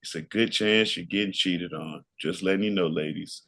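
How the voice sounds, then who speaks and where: A man's voice: low-pitched, normal speed, a bit bright. A man co-hosting a podcast, trading playful trash talk in casual banter. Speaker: podcast co-host.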